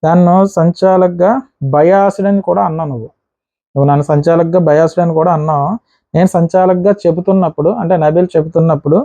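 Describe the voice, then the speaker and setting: A man recapping a reality show episode in a casual, rapid way, acting out what the contestants said. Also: fairly high pitch, mellow, no room sound, lo-fi sound.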